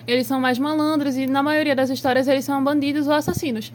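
A woman with a Brazilian Portuguese accent, co-hosting a podcast in casual chat, teasing with quick quips. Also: high voice, flat delivery, a little hiss or hum. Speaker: podcast co-host.

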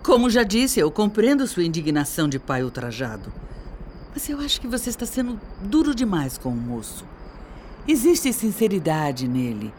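Shrewd mother, expressive and persuasive. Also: lowish voice, a little hiss or hum. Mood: placating. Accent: Brazilian. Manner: earnest, emphatic, measured persuasion. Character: shrewd, persuasive middle-aged wife and scheming mother. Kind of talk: radio soap opera acting.

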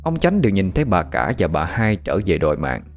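A man's voice: low-pitched, huge pitch swings, a little fast, faint music behind. A man narrating a horror audio story in a dramatic storytelling manner.

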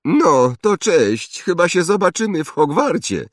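A man's voice: on the high side, sing-song, a little slow, dry recording, studio quality, pitched above the performer's own voice. A man voicing an arrogant, snobbish young wizard boy who boasts and mocks. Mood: boastful. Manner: boastful, mocking.

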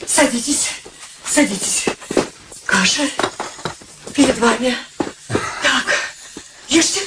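High-voiced, fussy spinster daughter. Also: female voice, expressive, takes it slowly. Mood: bossy, fussing. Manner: fussy, commanding, flustered. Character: nervous, bossy middle-aged spinster daughter, hospitable and flustered. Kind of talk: radio play acting. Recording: clearly noisy radio drama recording.

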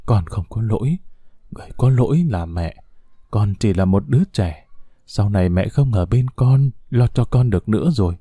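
A man's voice: lowish voice, animated, normal speed, mellow, husky, dry recording, studio quality. A man doing a frail dying mother. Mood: tender. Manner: whispery, breathless.

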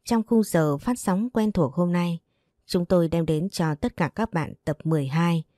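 A woman's voice: lowish voice, normal speed, dark tone, no echo, studio quality. A woman host giving a courteous, formal introduction to an audiobook episode. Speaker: channel host.

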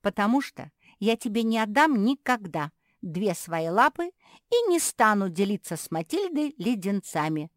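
A woman voicing a stubborn, greedy little girl creature in a storybook, talking shrill, loud and insistent. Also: very animated, moderate pace, dry recording, studio quality, lightly acted.

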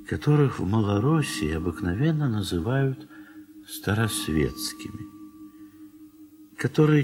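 A man narrating a classic story for a 1970s audio drama, reading in a measured, expressive way with wide swells in pitch and volume. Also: breathy edge. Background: instrumental music.

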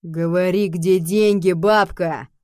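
A brutal male thug from an audiobook bellows his threats, voiced by a woman reader. His delivery is loud and coarse, in a lowish register. The sound is close and dry. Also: steady tone, slow, dry recording. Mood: menacing. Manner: shouting, threatening.

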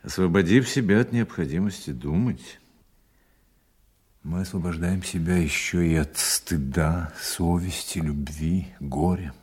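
An actor playing an earnest, principled man in an audio drama, with a rough voice and deliberate delivery. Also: low-pitched, darkish tone. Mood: grave. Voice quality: husky, rough. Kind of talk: dramatic audio play dialogue.

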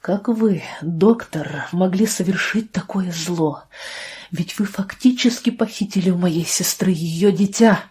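A woman reading the part of a furious, grieving Amish woman who fires sharp, accusing questions. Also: fairly low pitch, measured pace, breathy edge.

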